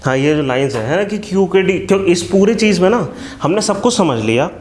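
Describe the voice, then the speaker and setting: A man's voice: sits high, animated, fairly quick, darkish tone. A male teacher from India explaining a topic to students in an online class, often asking them questions as he goes.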